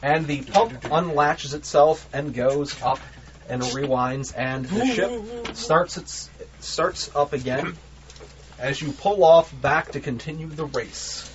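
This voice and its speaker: A man's voice: a little high, slow. A man acting as game master, narrating a tabletop role-playing game in a conversational way. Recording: dull lo-fi recording, background noise.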